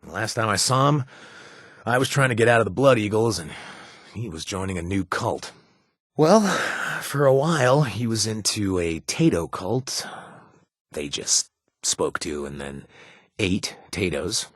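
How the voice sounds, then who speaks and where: An actor playing a wry, self-deprecating former raider turned bartender in a video game, halting with fillers in a husky voice. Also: male voice, on the low side, animated, dry recording, clean studio sound. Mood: easygoing, wry. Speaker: game companion character. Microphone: studio mic.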